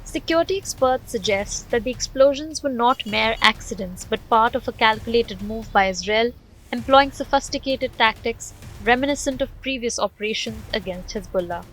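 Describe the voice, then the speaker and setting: A woman's voice: a little high, normal speed, a bit bright, rough recording. A woman reading a scripted news voice-over as the narrator of a report. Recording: background music under voice-over. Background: music bed.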